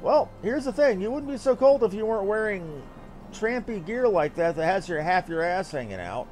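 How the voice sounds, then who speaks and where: Man, game streamer, fairly high voice, very animated intonation, casual offhand asides, music behind. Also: normal speed. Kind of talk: reading game dialogue aloud with casual asides.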